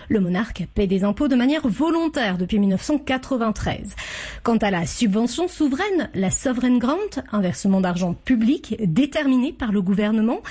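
A woman correspondent delivering a scripted radio news report, explaining the details clearly. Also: on the high side, dark tone. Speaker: foreign correspondent.

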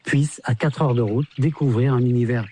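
A man's voice: medium pitch, steady tone, fairly quick, warm tone, slightly rough. A man researcher speaking in an interview in a conversational way, adding small tag words.

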